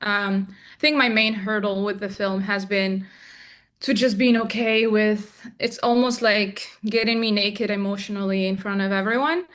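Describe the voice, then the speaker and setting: Young woman from Morocco, a thoughtful interview guest who often pauses and restarts, mid-range voice. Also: medium pitch, fairly even intonation, fairly bright tone. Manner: reflective, with frequent restarts and fillers. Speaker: filmmaker guest. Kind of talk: interview conversation.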